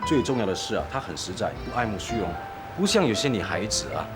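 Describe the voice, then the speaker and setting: A man's voice: lowish voice, very animated, fast talker. An actor playing a sincere, idealistic young man talking about love in a TV drama. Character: earnest romantic young man. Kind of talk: TV drama acting. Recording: dialogue under loud guitar music.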